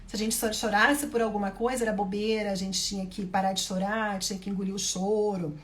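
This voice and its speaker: A woman's voice: mid-range voice, little pitch movement, brisk. A woman with a Brazilian Portuguese accent, a mother giving parenting advice straight to her viewers, emphatic and repeating her key points. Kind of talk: direct-to-camera parenting advice talk.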